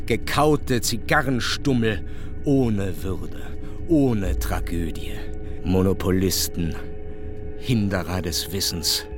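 A scornful male poet-traveller picks his way through a foul underworld. He declaims slowly in short, halting, phrases of disgust, with clearly audible music behind him in a radio play. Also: on the low side. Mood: bitter, disgusted. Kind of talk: German radio play, poetic recitation of a modernist epic.

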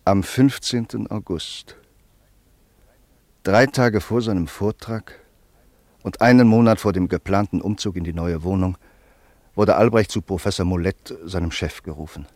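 A man narrating a scripted radio play in a sober, measured way. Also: low voice, darkish tone, no room sound.

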